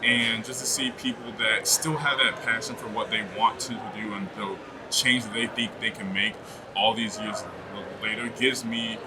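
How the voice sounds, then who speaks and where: A man from the American South speaks in a low, earnest voice, reflecting on his work in HIV advocacy. His testimonial was recorded at a conference venue. Steady noise hums behind him. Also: normal speed. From Georgia, US South. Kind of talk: short testimonial interview.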